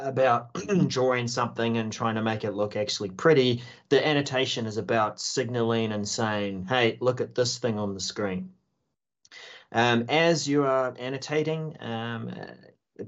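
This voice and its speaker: A man co-hosting a casual tech podcast, explaining features in a relaxed, chatty way with many fillers. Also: mid-range voice, lo-fi sound. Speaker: podcast co-host.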